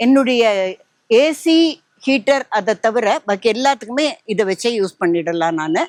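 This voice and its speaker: Recorded with a dry, close sound and no echo, a woman speaks in a fairly high voice whose pitch swings very widely. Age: 60s. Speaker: retired bank employee and home gardener. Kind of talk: casual interview talk / garden tour.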